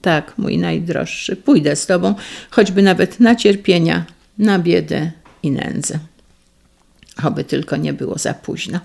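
A reader voicing a devoted young noble woman in an audiobook, urgent and pleading, with a gravelly edge. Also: fairly low pitch, unhurried, a little mellow, heavily acted. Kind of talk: audiobook reading.

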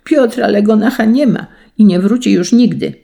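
A narrator voicing a crazed male executioner, shouting wildly and laughing like a madman, in a storybook reading. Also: mid-range voice, normal speed, gravelly, pitched above the performer's own voice, close to an everyday voice. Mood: raving. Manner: wild shouting with mad laughter. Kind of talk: audiobook character voice.

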